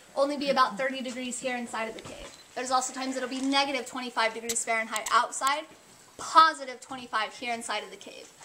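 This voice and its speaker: A woman's raised, projected voice at a very fast pace, with fairly even intonation and light background noise. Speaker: cave tour guide. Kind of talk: guided tour explanation. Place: tunnel cave.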